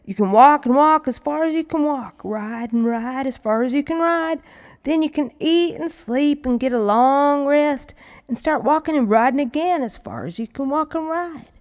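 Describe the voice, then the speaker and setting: A woman's voice: high-pitched, normal speed, a little mellow, pitched above the performer's own voice. A woman voicing an old blind man who hands over a treasure with solemn, storytelling words.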